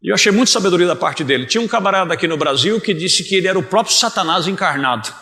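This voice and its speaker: A Brazilian man preaching a sermon as pastor, telling stories with passion and bursts of shouting. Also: sits high, animated, very fast. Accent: Brazilian Portuguese. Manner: impassioned, storytelling, bursts into shouting. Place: church hall. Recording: echoey church hall.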